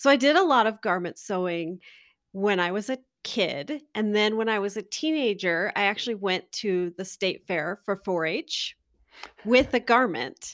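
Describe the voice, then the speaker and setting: A woman with a Midwestern American accent, dry and close with no echo, on a very clean recording with a silent background. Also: medium pitch for a woman, lively intonation, moderate pace. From US Midwest, central Illinois. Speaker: quilt artist and teacher. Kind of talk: casual chat.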